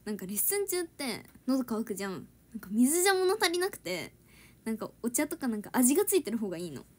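Young woman, casual livestream chat, giggly, lively rising and falling voice, a bit high. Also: fast talker. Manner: chatty, giggly, reads and answers viewer comments. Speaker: idol trainee livestreaming to fans.

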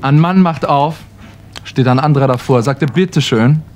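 A man telling jokes on a club stage, in brisk, clipped fragments. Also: mid-range voice, darkish tone, slight background noise. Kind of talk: live cabaret joke telling. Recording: live club recording with faint audience.

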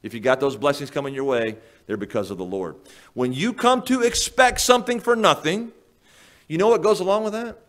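A man's voice: fairly high pitch, fairly quick, fairly bright tone. A male pastor preaching a sermon in a church, folksy and emphatic, firing rhetorical questions at the congregation. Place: church sanctuary.

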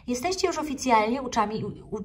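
A woman voicing a cheerful, bustling female okapi teacher in a children's story, sing-song and loud. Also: on the high side, expressive, brisk, distant mic, voice pushed up, natural voice.

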